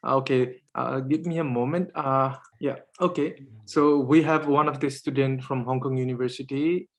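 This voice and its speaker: Over a video call, a man whose first language is Nepali moderates a panel. His middling-pitched voice holds a steady tone at moderate pace, though he speaks hesitantly, full of fillers and restarts.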